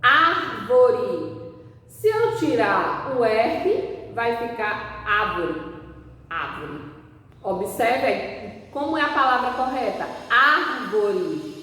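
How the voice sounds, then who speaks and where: A woman's voice: on the high side, fairly bright tone. A Brazilian woman teaching a children's class, patiently over-pronouncing sounds and words for the pupils. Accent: Brazilian Portuguese. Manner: slow, patient, over-enunciated demonstrations. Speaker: primary school teacher. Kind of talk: recorded remote lesson. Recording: echoey room, voice from a distance.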